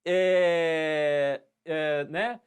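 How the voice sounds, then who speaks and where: High-voiced playful São Paulo history teacher. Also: male voice, steady tone, extremely slow, clear, resonant tone. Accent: interior São Paulo. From Brazil. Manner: playful, talks to students by name, acts out scenes. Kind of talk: live online class.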